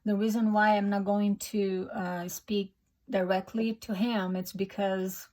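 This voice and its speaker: A woman's voice: mid-range voice, flat delivery, measured pace, a little mellow. A middle-aged Brazilian woman with a Brazilian Portuguese accent, a native Portuguese speaker talking earnestly to camera in English, with hesitant restarts. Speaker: YouTuber.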